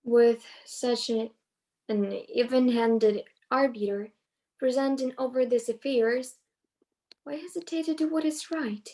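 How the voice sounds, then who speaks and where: A woman playing a solemn, righteous suppliant in a measured, formal reading of Greek tragedy. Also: fairly high pitch, fairly even intonation, warm tone. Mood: persuasive. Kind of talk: live dramatic reading of ancient Greek tragedy. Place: online video call.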